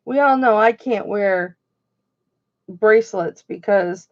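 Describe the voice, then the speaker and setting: A woman hosting a casual live jewelry auction, greeting viewers by name and chatting as she counts down bids, her voice a little hoarse. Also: mid-range voice, slow pace, lo-fi sound. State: slightly hoarse.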